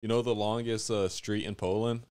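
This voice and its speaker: A man's voice: lowish voice, flat delivery, normal speed, darkish tone, clean tone, no echo. A man from Connecticut, a podcast guest, chatting in a laid-back, joking way with a lot of "like" in a studio. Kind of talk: casual podcast chat.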